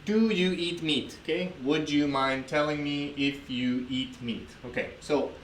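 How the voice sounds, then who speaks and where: A man's voice: a little high, measured pace. A man with an American accent, an English teacher explaining grammar patiently and repeating points with frequent checks for understanding. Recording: echoey room with faint noise.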